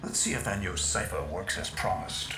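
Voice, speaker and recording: Game squad ally: gruff practical techie, low terse voice, echo and music behind. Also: male voice, animated, moderate pace, heavy background noise. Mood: wary. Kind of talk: scripted video game dialogue.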